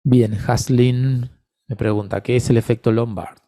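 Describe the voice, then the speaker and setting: A man's voice: mid-range voice, steady tone, a little slow, mellow, dry recording, studio quality. A man lecturing in an online course on voice therapy, patiently answering attendees' questions by name.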